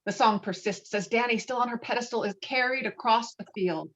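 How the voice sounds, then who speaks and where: A woman's voice: on the high side, fairly quick, fairly bright tone, lo-fi sound. A woman reading stage directions as scripted narration for a virtual table read, recorded over an online call. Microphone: online call microphone.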